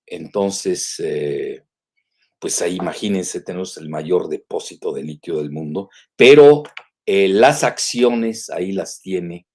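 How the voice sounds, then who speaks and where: An older man with a Mexican accent talks through the news live in a low, slightly husky voice. He digresses often, with frequent "eh" fillers and self-corrections. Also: lively intonation, takes it slowly, darkish tone. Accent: Mexican Spanish. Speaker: geopolitical analyst hosting a weekly live show. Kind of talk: live commentary, reading and remarking on news.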